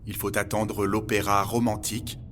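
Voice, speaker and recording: A man playing a knowledgeable guide in a scripted audio drama, explaining old human myths in a measured, didactic way. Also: lowish voice, flat delivery, noisy background, close to an everyday voice. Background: music.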